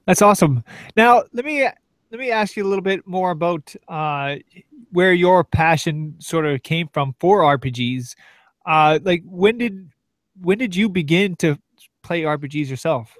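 A man co-hosting a casual podcast interview, asking eager, upbeat, halting questions. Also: high-pitched, dry recording. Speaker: podcast co-host.

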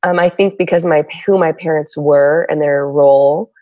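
A middle-aged woman from San Diego, talking as a podcast guest in a low, steady voice. She speaks candidly and reflectively, often pausing and restarting as she searches for her words. The recording is close and dry, with no room sound. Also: dry recording. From San Diego, United States. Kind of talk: reflective conversational interview.

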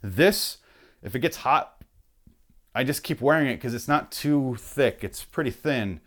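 A man from Michigan rants about coats, swearing freely and loudly exasperated. His voice is wearing out and turning hoarse, and his pitch sits squarely mid-range for a man. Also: lively intonation, measured pace. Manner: loud exasperated swearing, mock outrage. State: voice going hoarse. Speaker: vlogger ranting on camera. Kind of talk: profane comedic rant.

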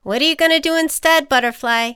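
A woman's voice: sits high, brisk, pushed and bright, dry recording, studio quality, pitched above the performer's own voice. A woman voicing a sassy, pushy little ant who teases and coaxes, in a read-aloud storybook. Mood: needling. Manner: sassy, needling, persuasive.

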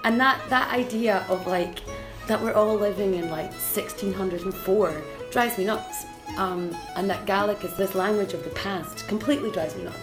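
A woman's voice: medium pitch, moderate pace, few pauses, music in the background. A young Scottish woman, a folk fiddler and singer, talking frankly in an interview with plenty of ums. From Scotland. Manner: frank, lively, frequent ums. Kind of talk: casual interview talk.

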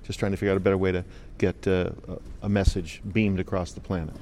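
A man hosting an interview podcast, asking questions in a measured, conversational way. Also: low voice, level tone, a little mellow, slight background noise. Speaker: radio podcast host. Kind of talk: interviewing a guest.

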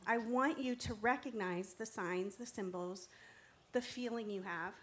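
A woman's voice: medium pitch, unhurried. Woman preaching in an earnest, conversational way. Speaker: preacher giving testimony. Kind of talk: conversational sermon.

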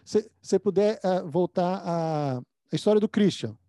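A man's voice: high-pitched, expressive, unhurried, mellow, no echo, studio quality. A man interviewing a guest over a call, answering with short affirmations and easy laughs. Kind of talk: casual remote interview.

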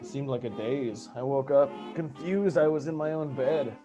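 An actor playing a frightened, rambling man who confides in his therapist, earnest, halting and stammering. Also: medium pitch, lo-fi sound, close to an everyday voice. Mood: bewildered. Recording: music behind the voice.

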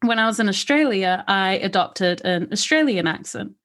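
A woman who grew up in Africa, with an accent that mixes American, British and Scottish traces, telling her life story lively in an interview and laughing often. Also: medium pitch, normal speed. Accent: mixed, with American, British and Scottish traces. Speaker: podcast guest. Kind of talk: conversational interview.

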